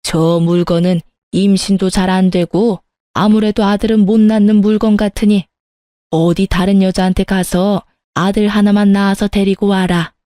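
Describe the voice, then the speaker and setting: A woman's voice: medium pitch, fairly even intonation, moderate pace, dark tone, dry recording, studio quality, close to an everyday voice. A woman reading as a scornful old mother-in-law.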